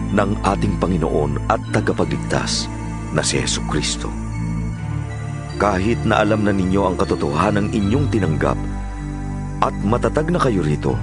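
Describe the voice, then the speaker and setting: A Filipino man narrates scripture in a low-pitched voice. His phrasing is solemn and deliberate, shaped as a dramatized audiobook reading. Music plays clearly behind him.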